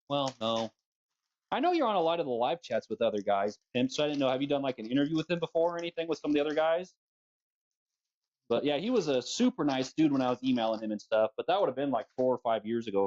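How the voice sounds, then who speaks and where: In a basement room at home, a man livestreams a casual chat while working on bikes, jokey and quick to laugh. He speaks fast in a mid-range voice with lively intonation and a darkish tone, and the audio is dull.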